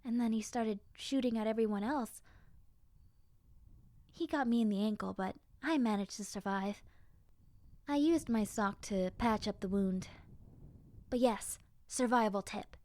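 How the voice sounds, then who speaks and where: A woman plays a friendly young zombie girl with a highish, girlish voice. She chats casually and directly to the listener, like a lonely survivor glad of company in an audio roleplay. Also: a little slow, pauses often, darkish tone, no echo, close to an everyday voice. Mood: chatty. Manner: casual, chatty, conversational, girlish.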